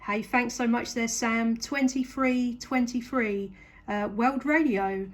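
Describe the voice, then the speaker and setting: A woman's voice: a little high, steady tone, takes it slowly, heavy background noise. A woman with a southern English accent chatting casually as a CB radio operator, polite and full of thanks. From England. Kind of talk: casual radio contact chat.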